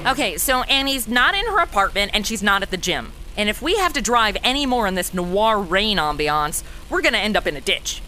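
A woman's voice: medium pitch, animated, brisk, few pauses, sharp tone, a little hiss or hum. A woman playing a brash, flippant twenty-something amateur detective in a comedy audio drama, with sassy, slangy delivery. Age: 20s. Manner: sassy, slangy, self-absorbed wisecracking. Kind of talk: comedy audio drama acting with wry narration.

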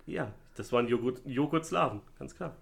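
A man's voice: mid-range voice, animated, moderate pace, creaky. A man co-hosting a casual talk about a crime case, speculating in a joking, rambling way. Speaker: podcast co-host.

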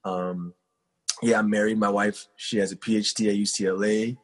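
Husky-voiced young pastor man. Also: fairly low pitch, level tone, moderate pace. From South Korea. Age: 20s. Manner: earnest, conversational, heavy on fillers. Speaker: pastor and guest. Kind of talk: casual interview storytelling.

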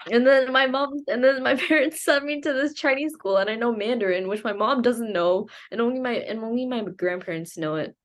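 A woman's voice: fairly high pitch, a little fast, few pauses. A young woman guest on a podcast, talking from her bedroom in a rambling, hesitant way with frequent laughs. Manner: rambling, hesitant, lots of fillers and restarts, laughs often. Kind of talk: casual chat.

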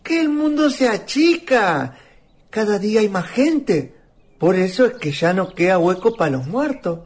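A plain-spoken Chilean countryman in a radio play, acted by a woman. The voice is husky and unhurried, swinging freely up and down as he voices his skepticism. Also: medium pitch, big pitch swings, darkish tone. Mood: dismissive, amused.

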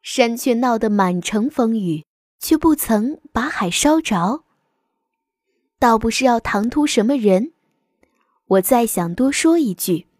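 A woman's voice: fairly high pitch, darkish tone, dry recording, clean studio sound. A woman hosting a children's show, telling a fireside bedtime story expressively and speaking directly to young listeners.

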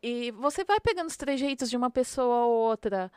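Blunt woman sergeant with a São Paulo accent; smooth, dry voice, slangy and direct. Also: fairly high pitch, lively intonation, brisk, no echo. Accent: São Paulo Portuguese. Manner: blunt, slangy, acts out street commands. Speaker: police sergeant guest. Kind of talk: casual podcast interview.

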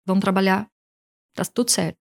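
Animated Brazilian woman style consultant. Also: mid-range voice, a little fast, creaky. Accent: Brazilian Portuguese. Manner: animated, talks in quoted client voices. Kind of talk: interview guest answering.

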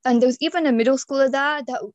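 A woman's voice: high-pitched, very fast, no room sound, highs cut off. A young woman, a guest intern, speaking thoughtfully and searching for words.

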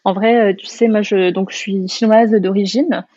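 A woman's voice: medium pitch, steady tone, moderate pace, mellow, breathy edge, lo-fi sound. A woman in her thirties, born and raised in France, chatting casually as a guest and filling her talk with hesitations and tu vois. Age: 30s. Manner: casual, many fillers and tu vois. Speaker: guest, restaurant founder. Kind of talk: casual interview chat.

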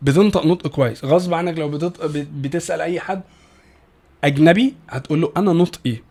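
A man with an Egyptian Arabic accent, a guest teaching English pronunciation in a casual podcast talk, animated and full of restarts. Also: on the high side. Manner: animated, fast, many restarts and repeated words.

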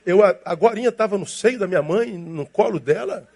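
Homem imitando bebê confuso no berço. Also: male voice, sits high, animated, normal speed, gravelly, darkish tone, full character voice. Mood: bewildered. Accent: Brazilian Portuguese. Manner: bewildered, wondering aloud. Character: confused baby boy waking in crib.

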